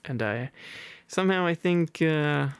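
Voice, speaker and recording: Sleepy gravelly British RP man. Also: a little high, lively intonation, a little slow, no room sound. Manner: drowsy, soft and playful, with gentle whispers. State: sleepy and overfull. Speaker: ASMR roleplay boyfriend. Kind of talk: soft ASMR storybook reading and pillow talk.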